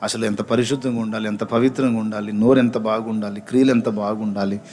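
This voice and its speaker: Casting: a preacher putting on a low, quick, sneering devil, muttered and contemptuous. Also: male voice, steady tone, darkish tone, close to an everyday voice. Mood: taunting. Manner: nagging, contemptuous. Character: taunting accusing male devil.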